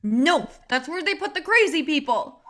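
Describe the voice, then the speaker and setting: Woman acting a panic-stricken patient, high voice. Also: expressive, moderate pace, a bit bright. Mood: panicked. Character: panic-stricken female mental patient resisting attendants. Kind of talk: virtual table read of a screenplay.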